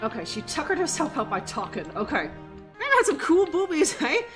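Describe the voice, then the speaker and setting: A woman's voice: high-pitched, wildly swooping pitch, brisk, a bit bright, soft background music. A woman streamer giving casual gameplay commentary, giggly and rambling.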